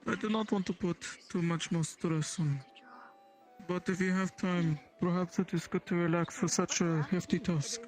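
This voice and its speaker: Guy playing a high-voiced stiff formal puppeteer, music in the back. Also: fairly even intonation, moderate pace, poor audio. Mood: earnest. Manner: formal, stiff phrasing without contractions. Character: humble stilted male puppeteer ally. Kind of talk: voice roleplay in a social VR world.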